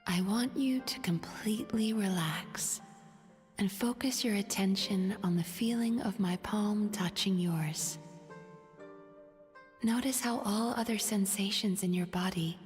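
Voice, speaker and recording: A gentle young dream therapist from a video game voiced by a woman guides a listener into hypnosis. Her delivery is slow, soft and breathy, meant to lull. The voice rings with long reverb over music. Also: medium pitch, natural voice. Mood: soothing, hushed. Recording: reverberant studio voice with music behind.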